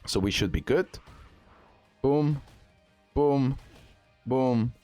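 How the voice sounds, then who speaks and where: A man's voice: medium pitch, lively intonation, extremely slow, darkish tone, soft background music. A man who speaks English as a second language gives casual gameplay commentary, often repeating words and phrases for emphasis. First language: not English. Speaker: gaming content creator.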